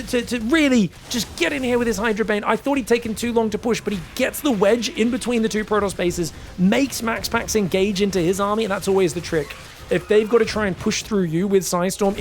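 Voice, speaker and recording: Man, esports caster, high voice, energetic, casual slang, excited commentary. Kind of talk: excited live game commentary.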